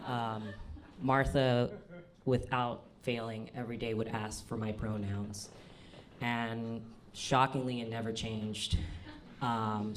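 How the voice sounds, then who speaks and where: A young trans man telling self-deprecating stand-up stories on a comedy club stage, halting often with ums and uhs. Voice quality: fairly low, manly voice. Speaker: stand-up storyteller. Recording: live club recording with audience noise. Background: audience laughter.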